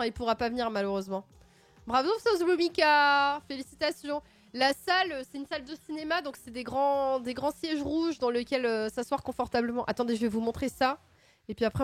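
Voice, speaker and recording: A playful woman with a high voice hosts a casual livestream, chatting loosely and breaking into excited outbursts. Faint music plays under her voice. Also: fairly quick. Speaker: livestream host.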